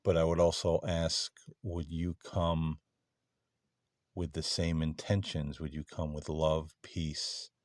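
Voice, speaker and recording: Very deep-voiced, slow, earnest man. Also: level tone, a little mellow, dry recording, studio quality. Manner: earnest, deliberate, formal phrasing. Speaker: host of paranormal contact sessions. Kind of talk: solemn spoken address to unseen beings.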